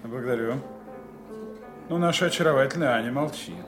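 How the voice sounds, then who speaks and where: An actor playing a suave, menacing secret agent in an audio drama, sly and mockingly courteous in a theatrical way. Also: male voice, mid-range voice, fairly quick, lightly acted. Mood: falsely courteous. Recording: music behind the voice.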